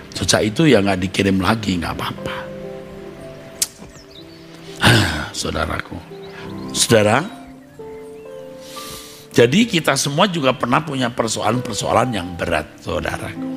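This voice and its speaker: An older male pastor preaching with a gravelly, bright-edged voice, talking straight to the congregation. His delivery swings into loud, high cries as he acts out prayers. Soft music sits faintly behind him. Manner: addresses listeners directly as "saudara". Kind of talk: sermon.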